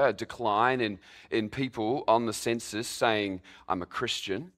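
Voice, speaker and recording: A hoarse Australian man preaching a sermon to his congregation, talking conversationally and putting questions to them. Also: medium pitch, a bit bright. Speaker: pastor.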